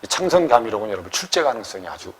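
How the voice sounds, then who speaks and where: A man's voice: on the low side, sing-song, rapid-fire, breathy edge. A man teaching a literature lesson for exam prep, often checking that students follow. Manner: keeps checking with students, questioning.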